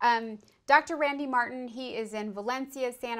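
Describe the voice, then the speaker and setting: With an American accent and an unremarkable speaking voice, a woman at fairly high pitch talks at a moderate pace with ordinary pitch variation, on a very clean recording with a silent background. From Houston, Texas. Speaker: wellness video host. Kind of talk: interview. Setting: studio.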